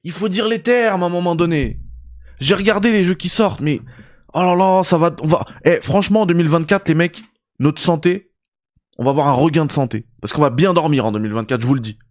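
A man's voice: fairly high pitch, a little fast, no room sound, clean studio sound. A young man hosting a gaming video, ranting in a mock-outraged, ironic, familiar way. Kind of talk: sarcastic gaming rant.

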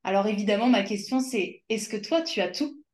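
A woman's voice: mid-range voice, animated, a little fast, darkish tone, echoey room. A woman interviewer asking questions in a casual, curious way.

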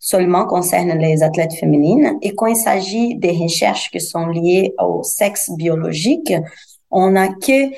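A woman's voice: lowish voice, measured pace, gravelly, a little mellow. A woman from Brazil, a researcher and guest, explaining carefully with hesitant restarts. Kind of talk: podcast interview answers.

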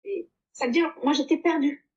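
A woman in her fifties with Portuguese roots tells her coach what the program meant to her. Her voice sits a touch above the usual for a woman, and she speaks earnestly, pausing on fillers as she searches for words. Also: high-pitched, a little mellow, muffled recording. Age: 50s. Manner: earnest, heartfelt, with frequent hesitations. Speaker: coaching client giving a testimonial. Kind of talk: emotional personal testimony.

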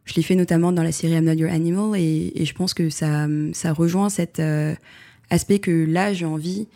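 A woman photographer answering interview questions in a reflective way, pausing often with fillers and restarting her sentences. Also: fairly low pitch, fairly even intonation, mellow. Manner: hesitant, many fillers and restarts.

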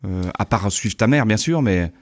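A man's voice: lowish voice, lively intonation, moderate pace, no room sound, clean studio sound. A man from France hosting a podcast interview and prompting his guest with brief questions. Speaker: podcast host.

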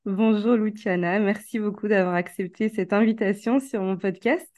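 A woman's voice: mid-range voice, moderate pace, darkish tone. A woman hosting a podcast, enthusiastic and upbeat as she introduces and interviews a guest. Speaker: podcast host, coach.

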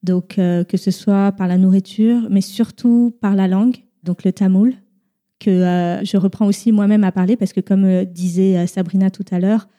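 Brief: young woman from France, very dark mellow tone, hesitant chatty guest, lots of fillers. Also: medium pitch, steady tone. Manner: halting, many fillers, laughs easily. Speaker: podcast guest. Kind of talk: casual round-table chat.

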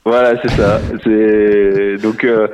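Guy in his 30s on the phone, lowish voice, kinda muffled line, lots of euh and restarts. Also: level tone, takes it slowly, a crowd in the background. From Normandy, France. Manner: hesitant, many fillers and restarts. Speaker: winery general manager. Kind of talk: phone interview. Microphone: telephone.

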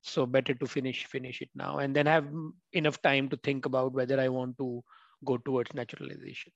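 A man's voice: medium pitch, flat delivery, a little fast, creaky, no room sound. Hesitant man on a dull call line. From India. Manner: hesitant, many fillers. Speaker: guest, former language student. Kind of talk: casual interview. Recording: dull, dry call audio.

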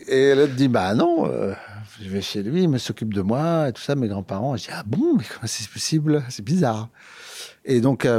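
A man's voice: mid-range voice, a little mellow, dry recording. A man from France recounting his childhood in an interview, hesitant, with many fillers and restarts. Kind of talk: personal storytelling in conversation.

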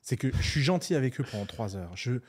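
A man's voice: medium pitch, lively intonation, quick pace, darkish tone, breathy edge. A man co-hosting a casual podcast, telling stories with animation and swearing freely. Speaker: podcast co-host.

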